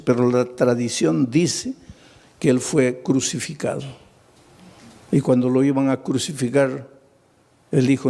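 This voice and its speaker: A man's mellow, gravelly voice of medium pitch carries a sermon in which he tells a Bible story with drama. He performs the biblical dialogue and keeps asking his listeners rhetorical questions.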